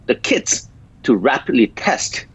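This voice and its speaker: A middle-pitched man in his fifties with a light Korean accent, explaining medical matters in a measured way, often pausing on "uh" between phrases. The audio is a bit dull and lo-fi. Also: very animated, husky, no echo. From South Korea. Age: 50s. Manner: explanatory, many hesitant uh fillers. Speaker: guest physician. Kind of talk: interview answers.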